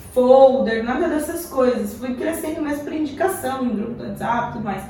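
A woman with a high pitch and lively intonation speaks at a moderate pace amid noticeable background noise and audible room echo. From Brazil, Santo André (São Paulo area). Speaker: psychologist and recruiter. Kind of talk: casual interview.

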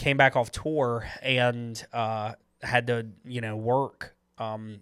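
Monotone, flat intonation from a man at medium pitch on a very clean recording with a silent background. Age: 30s. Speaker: video production company owner, former truck driver. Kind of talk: casual chat.

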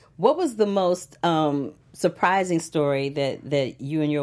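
A woman speaks in an animated tone. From US Midwest, St. Louis, Missouri. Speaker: film critic and show host. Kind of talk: casual interview. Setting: studio. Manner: animated, laughing often.

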